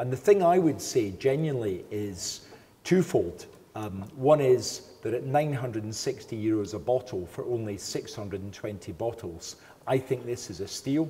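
A man's medium-pitched, dark and mellow voice, somewhat breathy, at a very slow pace, with lively intonation and big swings in loudness. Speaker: spirits industry expert. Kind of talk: casual chat. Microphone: lapel.

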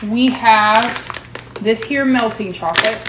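Over background music, a woman speaks at a fairly slow pace with ordinary pitch variation. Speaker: home cooking show host. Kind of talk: casual cooking tutorial. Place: kitchen.

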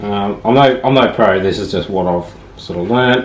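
A man at a moderate pace amid audible room echo. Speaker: DIY vlogger. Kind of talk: casual tutorial chat. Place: home room. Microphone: camera far.

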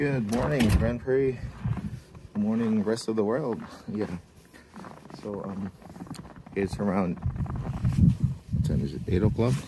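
Amid loud background noise, a man speaks at a moderate pace, his sound dry with no echo. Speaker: vlogger. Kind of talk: casual vlog chat. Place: street. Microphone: phone near.

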